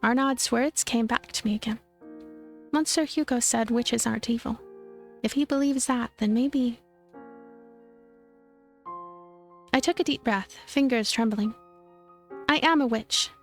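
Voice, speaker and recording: A woman's voice: fairly high pitch, moderate pace, faint music behind, close to an everyday voice. A woman voicing an earnest, hesitant young witch heroine in visual novel narration. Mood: nervous, hesitant.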